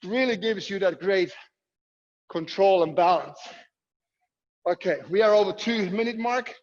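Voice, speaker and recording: A man's voice: sits high, moderate pace. A man coaching a fitness workout, giving instructions and calling out drills in short commands with encouragement. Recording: muffled, echoey hall sound.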